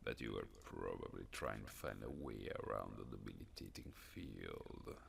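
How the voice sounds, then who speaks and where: A man voicing an ancient fire being, an amused and menacing villain boss in a video game, slow and formal with a raspy voice. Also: lively intonation, exaggerated voice. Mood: measured menace. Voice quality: very deep, gravelly, breathy rasp. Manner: slow, measured, taunting, formal wording. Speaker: final boss villain in a visual novel game.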